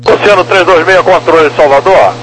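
A man's voice: a little high, moderate pace, a bit bright, slight background noise, low-quality recording. Brazilian man, controller on humming radio. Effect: radio transmission. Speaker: approach air traffic controller. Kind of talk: aviation radio phraseology. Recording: faintly humming aviation radio.

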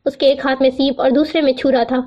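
A woman narrating a novel aloud with steady, even storytelling delivery. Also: sits high. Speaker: audiobook narrator. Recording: muffled lo-fi recording.

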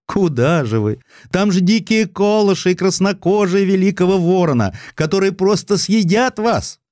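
Man putting on anxious, high-pitched pleading women. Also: expressive, normal speed, darkish tone, dry recording, clean studio sound. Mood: alarmed pity. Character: anxious women pitying a young officer.

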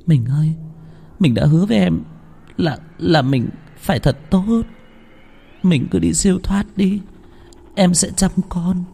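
A man voicing a young grieving wife in a high, soft, sobbing voice. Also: unhurried, creaky, long pauses, slightly rough, full character voice. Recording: long hall reverb, faint music.

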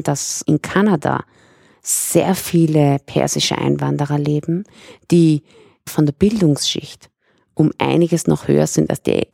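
A woman's voice: deep voice, creaky, dark tone, no echo, clean studio sound. A young woman from Iran, a guest in a conversational interview, explaining at length with restarts.

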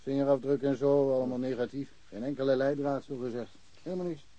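A man's voice: mid-range voice, steady tone, fast, dark tone, dry recording, lo-fi sound, lightly acted. An actor playing a chatty, wry small-town policeman in a naturalistic radio crime drama, rambling along with dry humour. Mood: matter-of-fact. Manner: rambling, dryly humorous. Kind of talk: naturalistic radio play dialogue.

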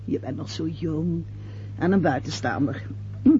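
An actress playing a domineering, practical middle-aged show-business mother and hostess in a Dutch radio play, with a brisk, theatrical manner. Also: low voice, mellow, a little hiss or hum. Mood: wounded, composed. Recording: dull lo-fi radio play recording.

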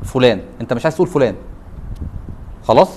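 A man's voice: mid-range voice, expressive, rapid-fire, a little mellow. A man with an Egyptian Arabic accent giving a classroom lecture, who keeps asking rhetorical questions to prompt his students. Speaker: teacher.

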